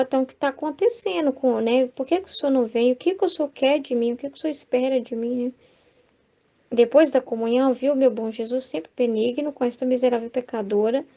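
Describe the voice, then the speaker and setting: Husky-edged Brazilian woman teaching scripture. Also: sits high, dark tone, muffled recording. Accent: Brazilian Portuguese. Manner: conversational, frequent "né?" tags, reads passages aloud. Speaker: Bible study teacher. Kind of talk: Catholic devotional study talk.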